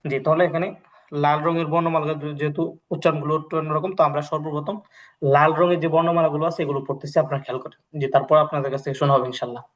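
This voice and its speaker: A man's voice: fairly high pitch, flat delivery, racing. A young man teaching an online language class, patiently explaining and repeating each letter several times as he drills the alphabet.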